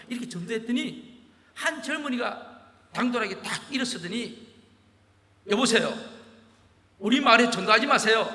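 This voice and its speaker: A man preaching a sermon as pastor, telling stories and firing rhetorical questions at the congregation. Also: very high-pitched. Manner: animated storytelling with rhetorical questions. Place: large church sanctuary. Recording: echoey church hall.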